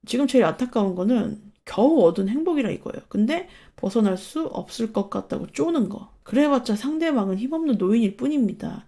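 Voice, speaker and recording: A woman's voice: fairly high pitch, animated, a little fast, hardly any pauses, dark tone. A woman hosting an advice channel, talking in a blunt, emphatic and profane way in a casual chat.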